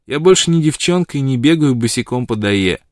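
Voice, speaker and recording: A man's voice: medium pitch, lively intonation, brisk, no room sound, studio quality, pitched above the performer's own voice, close to an everyday voice. A man voicing a bold, teasing young woman in an audiobook reading, with a light, mocking delivery.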